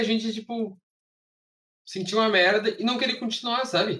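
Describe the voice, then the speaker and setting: A man speaks in a raised, projected voice with a bright, sharp tone. His pace is fairly quick. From Brazil. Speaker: musician and producer. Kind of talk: casual chat.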